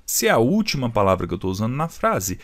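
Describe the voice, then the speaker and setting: A man's voice: mid-range voice, very animated, quick pace. A man with a Brazilian Portuguese accent teaching a video lesson, explaining rules step by step and asking the viewer questions.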